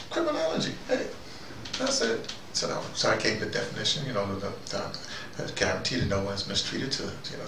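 A man tells stories with lively swings in pitch and a gravelly grain to his voice. He wanders and restarts as he goes, playing out reported exchanges like an informal host. He sounds set back from the microphone, with clear noise around him. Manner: halting and digressive, acts out reported exchanges. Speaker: host of a recurring spoken dispatch. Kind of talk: informal monologue, animated anecdotal storytelling. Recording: noisy, roomy recording, distant from mic.

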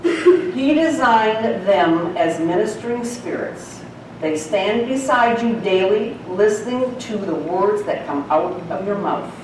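Chatty woman bible teacher, laughs a lot, big echo, mic kinda far off w/ low hum. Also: animated, takes it slowly. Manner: folksy, chatty, laughs often. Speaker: church teacher. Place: church sanctuary. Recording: echoey church hall from far off.

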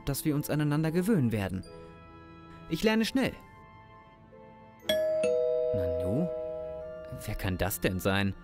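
A man's voice: mid-range voice, darkish tone, lightly acted. A man playing a timid, awkward accountant who speaks hesitantly in a German audio drama. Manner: hesitant, stammering. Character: timid, awkward loner male accountant doting on his snake.

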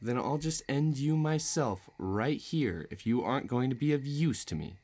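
A man's voice: medium pitch, animated, moderate pace, a little mellow. A man playing a cocky, menacing villain in a romantic audio roleplay, taunting and self-assured. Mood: impatient, threatening. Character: cocky, menacing male villain, playful but threatening.

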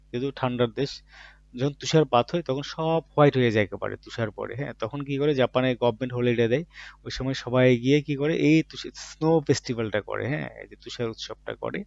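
With a creaky, medium-pitched voice and a darkish tone, a man explains Japanese vocabulary in Bangla, and there's no echo. He voices each term, gives everyday examples, and often asks himself a question before answering it. It's a dull, muffled recording in a dry room.

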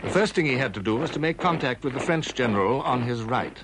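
A male documentary narrator reads in a measured, formal manner. His voice sits at a middle pitch. The old 1960s broadcast recording carries a clear hiss behind him. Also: animated. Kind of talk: scripted narration.

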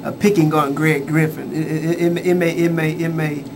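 A man's voice: on the high side, level tone, normal speed, noisy background. A man teaching from the Bible on a church radio show, earnest, restarting his phrases often. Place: small radio studio. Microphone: handheld mic.

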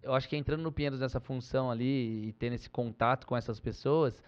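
An animated man chatting as a podcast guest, laughing often and acting out the things he shouts from courtside. His voice sits at a middle pitch. The recording sounds slightly dull. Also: fast. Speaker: podcast guest, former basketball player. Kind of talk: casual chat.

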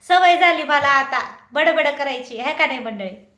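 Woman livestream host, high bright voice, unhurried, teasing, laughs a lot, echoey room. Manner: chatty, teasing, laughs often. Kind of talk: casual live chat reading viewer comments.

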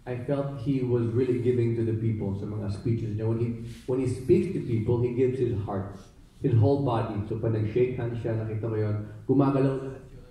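A Filipino actor at a press conference, answering thoughtfully in mixed English and Tagalog with many fillers. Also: male voice, medium pitch, fairly even intonation, brisk, mellow. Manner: reflective, many fillers and restarts. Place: large theater stage. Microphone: handheld mic heard through hall speakers. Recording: echoey hall from far off.

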